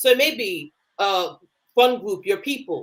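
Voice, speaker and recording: A woman speaks with an American accent at a fairly high pitch. Her pitch varies in an ordinary way. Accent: Caribbean accent slips out at times. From New York, Long Island, Caribbean family. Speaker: school social worker. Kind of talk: podcast interview. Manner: long-winded.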